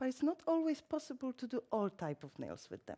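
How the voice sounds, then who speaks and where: At a very fast pace, a woman with a slight Polish accent speaks in a dark, mellow tone, the sound dry and close with no echo. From Poland. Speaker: nail trainer and distributor. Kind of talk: casual interview and product demo talk.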